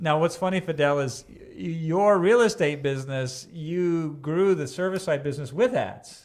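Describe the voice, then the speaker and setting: A man with an Iowa accent speaks at a moderate pace with hardly any pauses, his fairly high voice showing ordinary pitch variation. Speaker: online business coach, host. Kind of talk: interview. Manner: enthusiastic.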